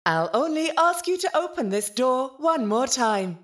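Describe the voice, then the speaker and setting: An earnest, literal-minded ship's AI in an audio drama. The female voice is high and unhurried, with a melodic swing. Every phrase is formal and precise. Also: big pitch swings. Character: Al, polite literal-minded ship's artificial intelligence.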